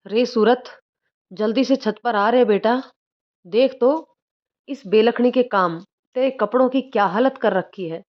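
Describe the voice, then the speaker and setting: A woman voicing a cruel village mother-in-law who shouts and taunts, in a dull lo-fi recording. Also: mid-range voice, measured pace, natural voice. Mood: scolding. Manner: harsh, scolding, taunting.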